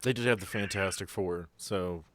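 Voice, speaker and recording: A man's voice: sits low, moderate pace, a crowd in the background. A man hosting a podcast, apologizing earnestly and then chatting casually with friends about movies. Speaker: podcast storyteller. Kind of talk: casual chat.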